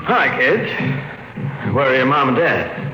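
A man's voice: mid-range voice, lively intonation, unhurried, reverberant, close to an everyday voice, low-quality recording. Man playing a friendly radio-drama doctor. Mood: breezy. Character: friendly, breezy doctor greeting children. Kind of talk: 1950s radio drama acting. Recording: old 1950s radio recording, music behind.

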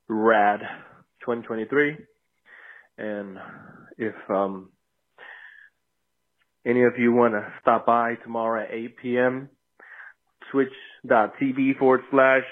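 Male caller, leaving a voicemail, tinny phone line, slow laid-back talk. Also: medium pitch. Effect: voicemail played over the phone. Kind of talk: casual voicemail greeting.

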